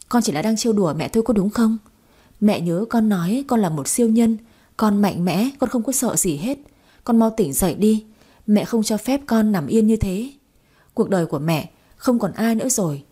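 A woman's voice: mid-range voice, animated, moderate pace, dark tone, husky. Woman voicing a desperate young mother. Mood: grieving. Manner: pleading, tearful. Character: young desperate mother, poor, devoted to her son.

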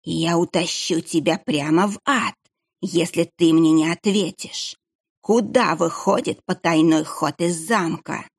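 A woman voicing a cruel, sinister monk who hisses his words slowly. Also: on the low side. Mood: cold command. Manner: hissing, slow and drawn out. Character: sinister hooded male monk, menacing and cruel.

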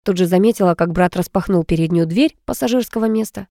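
A woman narrating a first-person story aloud, lively and teasing, with expressive dialogue. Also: fairly low pitch, quick pace, no room sound, studio quality. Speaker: audiobook narrator.

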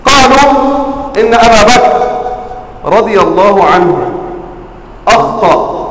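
A man with an Egyptian accent teaching a religious lesson, quizzing his listeners and stressing words with sharp rises. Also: a little high, echoey room, in a large hall, a little hiss or hum, rough recording. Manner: quizzes the audience, emphatic rising stresses. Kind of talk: classroom lesson.

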